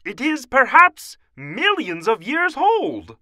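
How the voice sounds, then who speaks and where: Man acting a female mouse professor, storybook scientist, raised pitch, emphatic, grave, lecturing, bright tone. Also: huge pitch swings, takes it slowly, dry recording, full character voice. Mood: grave, urgent.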